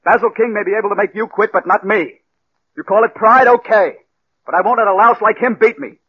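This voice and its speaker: A bitter scriptwriter narrating. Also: male voice, high voice, fairly even intonation, a little fast, slightly rough. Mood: defiant. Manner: brooding first-person narration. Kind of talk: 1940s radio drama narration. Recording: dull old radio broadcast with music.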